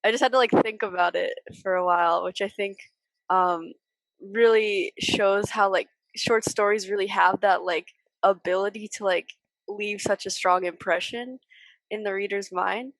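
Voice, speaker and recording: A woman's voice: mid-range voice, fairly even intonation, moderate pace, dry recording, poor audio. Young woman, casual, in a dry recording. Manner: hesitant, informal phrasing with frequent "like". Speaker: podcast co-host, interviewer. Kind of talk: casual literary discussion.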